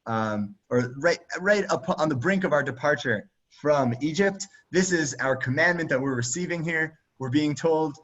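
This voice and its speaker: A man's voice: fairly high pitch, lively intonation, normal speed, few pauses, fairly bright tone. A man leading a group text study over a video call, talking casually with many fillers and restarts. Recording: dull, lo-fi video call audio.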